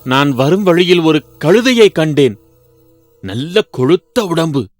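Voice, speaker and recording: A man voicing a sly, flattering, treacherous fox in a children's cartoon fable, coaxing and scheming. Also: fairly high pitch, slow, no echo, soft background music, voice pushed up. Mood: eager flattery.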